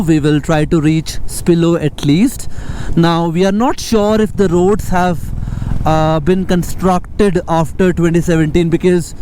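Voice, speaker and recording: A man's voice: sits high, dark tone, rough recording. A man with an Indian accent giving casual, chatty commentary outdoors as he rides a motorcycle, recorded on an action camera. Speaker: motorcycle travel vlogger. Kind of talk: casual spoken ride commentary. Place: outdoors on a motorcycle on a mountain road. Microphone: action camera microphone while riding. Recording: windy outdoor action-camera audio, engine noise.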